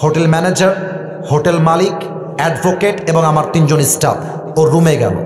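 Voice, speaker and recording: A Bangladeshi male preacher tells a story in a high voice that rings with long reverb. His delivery is dramatic, slipping into dialogue and the odd English phrase, as in a sermon. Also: moderate pace, a crowd in the background. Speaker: Islamic preacher. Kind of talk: sermon-style anecdote telling. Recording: echoey hall with long reverb.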